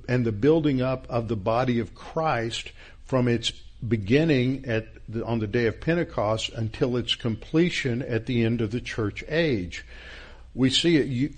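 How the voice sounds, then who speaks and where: A man teaching a verse-by-verse Bible class, with a halting delivery full of restarts and stressed key words. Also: medium pitch. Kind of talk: expository Bible class lecture.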